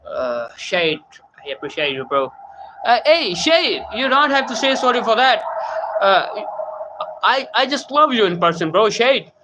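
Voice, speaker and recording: Halting streamer man with South Asian English. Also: high voice, big pitch swings, background noise. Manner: halting, many fillers, greets viewers by name. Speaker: live streamer. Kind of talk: casual live-stream talk, reading chat. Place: home room.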